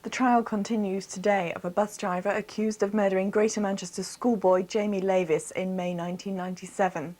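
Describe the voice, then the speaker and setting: A woman presenting regional television news, reading scripted bulletins in a formal, measured way. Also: medium pitch, fairly even intonation, a little mellow.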